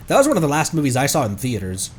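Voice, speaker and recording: A young man streaming a game in casual chat, congested and stuffed up, rambling with many ums and breaking into sudden excited outbursts. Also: mid-range voice, very fast, slight background noise.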